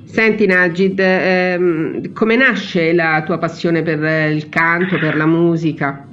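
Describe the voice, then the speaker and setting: High-voiced male interview host. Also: steady tone, slow pace, a bit bright, slight background noise. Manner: chatty, joking, encouraging. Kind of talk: conversational interview hosting. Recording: dull lo-fi sound.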